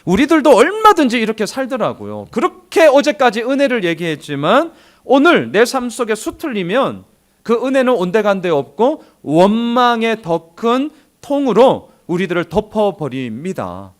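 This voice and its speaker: A male pastor delivers a sermon in a church, his voice sitting a little high and swinging widely in pitch. He often puts questions to the congregation and bursts into loud, acted-out quotations. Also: normal speed. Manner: animated preaching, acting out quoted lines loudly.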